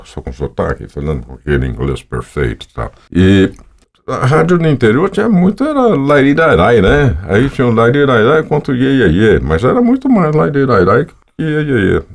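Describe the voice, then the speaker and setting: Brief: seventies Brazilian voice-over veteran, low-ish voice, rambling anecdotal storyteller. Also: male voice, creaky. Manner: rambling, anecdotal, with frequent fillers. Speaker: voice-over artist guest. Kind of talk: casual storytelling interview.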